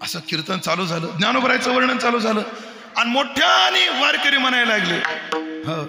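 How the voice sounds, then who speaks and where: A man preaching a devotional kirtan sermon with a Marathi accent, joking with the crowd and breaking into loud chanted verse. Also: very high-pitched, expressive, fairly quick, creaky. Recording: echoey hall with music.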